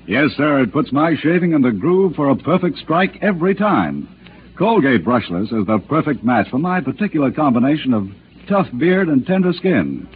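An actor reading a bowling champion's cheerful testimonial letter in a 1940s radio ad. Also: male voice, fairly high pitch, sing-song, normal speed. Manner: breezy, slangy. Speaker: reader of an endorsement letter. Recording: tinny old radio broadcast with hiss.

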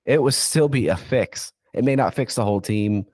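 A man's voice: mid-range voice, moderate pace, a little mellow, no echo. A man with a stuffy, congested voice from being sick, talking football as a podcast guest and going off on long, rambling rants. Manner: rambling, goes on rants, says "dude". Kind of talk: casual podcast chat.

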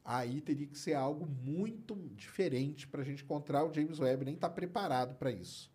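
A man with a Brazilian Portuguese accent, explaining space science in a relaxed, chatty way while he answers viewer questions. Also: on the high side, moderate pace, breathy edge. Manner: relaxed, explanatory, tags phrases with "né" and "cara". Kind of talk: casual live-stream chat.

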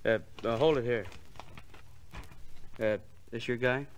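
An actor playing an easygoing police sergeant in old radio drama, with a casual, hesitant, folksy way of talking. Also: male voice, mid-range voice, steady tone, takes it slowly, smooth, natural voice. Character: easygoing male police sergeant at records desk. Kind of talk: old-time radio acting. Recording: old radio recording, faint noise.

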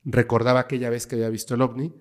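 A man with a Mexican Spanish accent, a guest on a casual podcast interview, telling a story dramatically and dropping to a hush at tense moments. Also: medium pitch, little pitch movement, very fast. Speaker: guest, paranormal investigator.

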